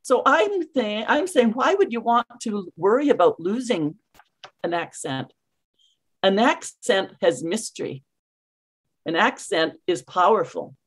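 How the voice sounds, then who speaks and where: An older Canadian woman coaching English on a video call, speaking with crisply enunciated words and an emphatic, storytelling manner. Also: medium pitch, sing-song, measured pace. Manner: warm, emphatic, storytelling, with clearly articulated words. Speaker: ESL coach.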